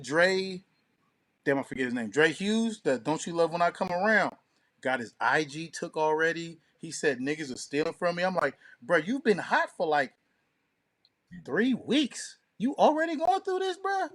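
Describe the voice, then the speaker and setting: A man's voice: fairly high pitch, a bit bright. A man chatting casually and with strong opinions as a radio show co-host, in slangy, profane, emphatic talk.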